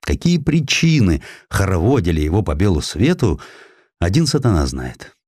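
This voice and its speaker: Expressive low-voiced male storyteller, dry sound. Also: moderate pace, slightly rough, no echo. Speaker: audiobook narrator. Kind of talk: dramatized scripted narration of a historical sketch.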